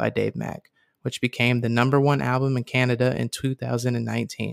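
A man with a Midwestern accent speaks at medium pitch in a monotone, flat delivery. The recording is very clean and dry, close-sounding with a silent background and no echo. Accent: general American (Midwestern). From US Midwest. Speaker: podcast host. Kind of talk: casual interview.

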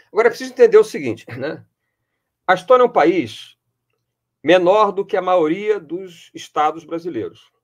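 Someone speaks at a moderate pace with long, frequent pauses over a quiet background. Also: man, high pitch for a man, lively intonation, big swings in loudness. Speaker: business school professor. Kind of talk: lecture. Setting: live online webinar. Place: home room. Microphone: webcam.

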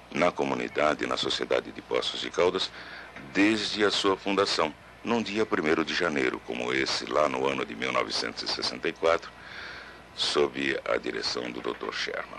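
His voice very deep and low, a man speaks with lively intonation at a moderate speed amid noticeable background noise. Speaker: radio announcer. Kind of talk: interview answer. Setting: radio studio.

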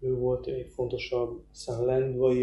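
A man is speaking. There is audible room echo. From Hungary. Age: 30s. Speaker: artist; interviewee. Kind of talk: interview. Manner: halting. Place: home room. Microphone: camera far.

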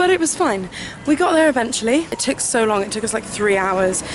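A woman's voice moves through very wide pitch swings, with a dry sound with no echo and noticeable background noise. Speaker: travel vlogger. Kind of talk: casual vlog chat. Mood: amused storytelling. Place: street. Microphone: phone near.

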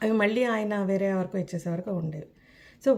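Here is a woman with a normal speaking voice. Her pitch is medium, with ordinary variation. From Vizianagaram, coastal Andhra Pradesh, India. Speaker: writer and reader. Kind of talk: personal reminiscence monologue.

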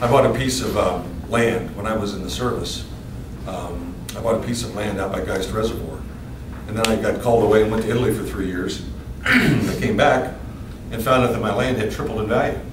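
This man talks at a fairly quick pace with ordinary pitch variation. Noticeable background noise runs underneath. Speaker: guest lecturer. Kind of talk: lecture. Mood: relaxed, storytelling. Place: classroom. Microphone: camera far.

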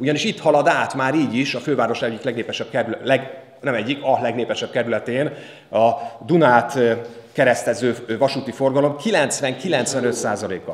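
Ordinary pitch variation colors speech that proceeds fairly slowly. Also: man. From Hungary. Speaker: member of parliament. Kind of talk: parliamentary committee speech. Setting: parliamentary committee meeting. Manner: formal. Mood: critical, argumentative. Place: meeting room. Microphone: podium.

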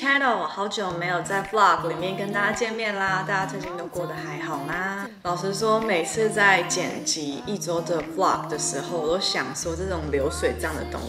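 Clear music plays in the background as a woman talks at a moderate pace with hardly any pauses. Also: ordinary pitch variation. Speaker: fitness vlogger. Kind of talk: casual vlog chat. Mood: warm and reflective. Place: home room.

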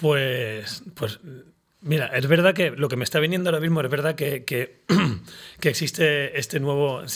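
Normal rise and fall in pitch over a hushed backdrop. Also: man. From Canary Islands. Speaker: actor. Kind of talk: casual interview. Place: studio. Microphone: studio mic.

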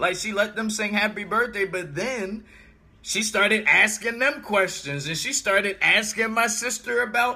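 A man speaks in a raised, projected voice. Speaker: vlogger. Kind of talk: casual vlog chat. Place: home room. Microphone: phone near.

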